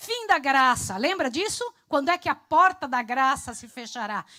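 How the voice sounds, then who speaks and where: A woman projects a raised voice with a bright, sharp tone and very wide pitch swings. She goes at a fairly slow pace on a very clean recording with a silent background. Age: 60s. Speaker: preacher. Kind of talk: sermon.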